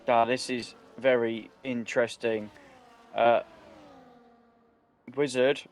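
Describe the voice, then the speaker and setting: A man with a medium-pitched voice serves as motorsport co-commentator. He reports gaps and strategy in a hesitant, halting way, often pausing to work out what is happening in the race. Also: level tone.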